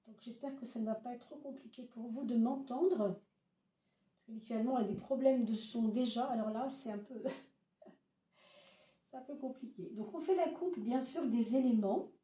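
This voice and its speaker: A hoarse woman reading tarot cards in a relaxed, hesitant way, full of fillers and soft reassurances. Her voice is mellow and dark, and sits slightly high for a woman. She is set back from the mic in an echoey room. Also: distant mic, highs cut off. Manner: hesitant, many fillers, gentle reassuring address. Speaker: tarot reader. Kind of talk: casual tarot reading to camera. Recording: roomy echo, voice off-mic.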